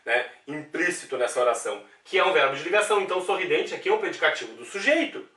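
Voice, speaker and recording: High-voiced man teaching grammar. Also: lively intonation, fast, sharp tone, distant mic. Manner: explanatory, asks himself questions, frequent "tá?" checks. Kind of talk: classroom-style video lecture. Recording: echoey room, mic set back.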